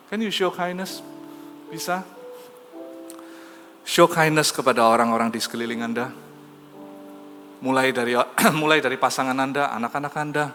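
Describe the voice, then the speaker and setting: A man preaching a sermon as pastor in a conversational, animated storytelling manner. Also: mid-range voice. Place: church. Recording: reverberant church hall with soft music.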